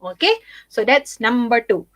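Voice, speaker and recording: A woman's voice: a little high, lively intonation, moderate pace, no echo. A young Malaysian woman with a Malaysian English accent, tutoring a live online English class in a chatty way, dropping in Malay words and laughing often.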